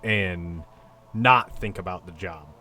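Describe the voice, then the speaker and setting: A man's voice: low-pitched, slow pace, sharp tone. A man playing a tabletop roleplaying game, casually describing what his character does. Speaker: player in a tabletop game podcast.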